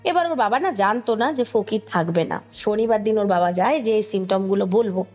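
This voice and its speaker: A woman's voice: medium pitch, expressive, brisk, a little mellow, faint music behind. A woman with a Kolkata Bengali accent recounting a story conversationally, explaining as she goes and checking in with the listener. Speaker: podcast guest recounting a ghost story.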